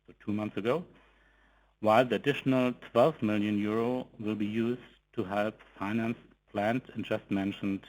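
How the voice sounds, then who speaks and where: A man giving a formal, measured corporate presentation, reading from a script in short phrases as an executive on an investor call. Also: fairly low pitch, darkish tone, a little hiss or hum, rough recording. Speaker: company executive presenting financial results.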